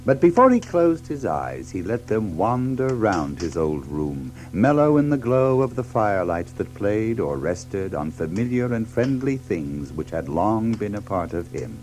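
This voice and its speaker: A man's voice: on the low side, big pitch swings, a little slow, hardly any pauses, darkish tone, soft background music. A man narrating a children's story from a script.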